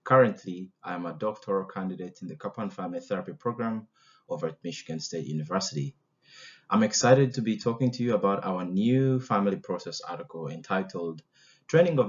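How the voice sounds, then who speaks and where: Low-voiced man from Uganda, lo-fi. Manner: measured, with frequent "uh" fillers. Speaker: doctoral candidate presenting research. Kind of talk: prepared research summary talk.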